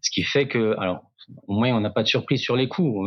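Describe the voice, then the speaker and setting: A man at a moderate pace with ordinary pitch variation, plus noticeable background noise. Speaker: city IT director. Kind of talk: podcast interview. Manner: hesitant, many fillers.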